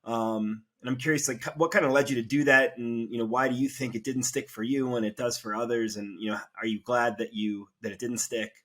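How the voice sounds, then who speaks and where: A man's voice: mid-range voice, fairly even intonation, fairly quick, hardly any pauses, fairly bright tone. Man, podcast host, curious questioner, casual friendly tone. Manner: friendly, curious, with many fillers. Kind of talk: conversational interview.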